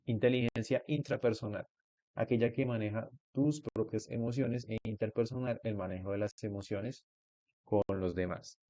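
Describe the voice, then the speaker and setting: A man's voice: lowish voice, normal speed, mellow, dry recording. A man teaching an online class, explaining step by step and putting questions to a student, with frequent restarts. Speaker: instructor. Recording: dull lo-fi recording.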